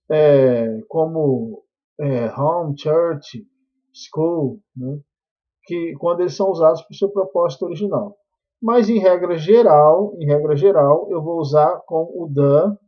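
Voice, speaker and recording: A man's voice: on the high side, dark tone, husky, highs cut off. A man with a Brazilian Portuguese accent, a teacher patiently explaining a lesson to his class and often checking that they follow. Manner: patient, checks in constantly with tag questions.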